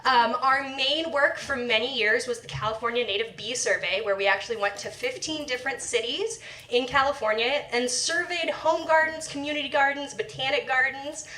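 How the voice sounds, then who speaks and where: A young woman researcher giving an animated talk to a live audience, moving around as she speaks. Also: high voice, normal speed. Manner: animated and energetic, moves around while speaking. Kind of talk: lively public lecture to a live audience. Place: lecture room with audience. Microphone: handheld or stand mic, sometimes away from it. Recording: echoey room, voice from a distance.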